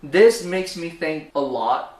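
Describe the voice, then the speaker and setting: Slow, measured man reading aloud. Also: on the high side, lively intonation, a little mellow. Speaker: co-host reading an article aloud. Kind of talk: reading aloud and casual chat. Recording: echoey room.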